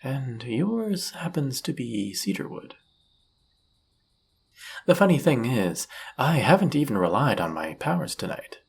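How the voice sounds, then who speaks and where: A man playing an arrogant demon prince of lust in an audio roleplay, speaking in a suave, condescending, flirtatious manner with a husky, gravelly voice. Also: mid-range voice, sing-song, unhurried, exaggerated voice. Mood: seductive, confident. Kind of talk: scripted audio roleplay addressed to the listener.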